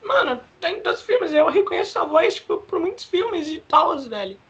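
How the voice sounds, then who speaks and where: A woman's voice: very high-pitched, sing-song, moderate pace, dull audio. A Brazilian woman interviewing a guest in a casual, slangy, eager way. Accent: Brazilian Portuguese.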